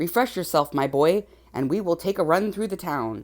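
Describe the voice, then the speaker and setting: Using a put-on character voice, a man speaks at a moderate pace, high in pitch and raspy. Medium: read story. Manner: commanding, brusque.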